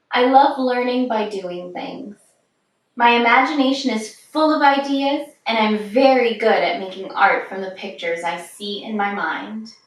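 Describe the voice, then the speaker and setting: A woman reads a children's picture book aloud in a fairly high voice. Her delivery is measured and expressive, with a lively, swinging intonation. She sounds set back from the microphone in a room. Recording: distant, very echoey room.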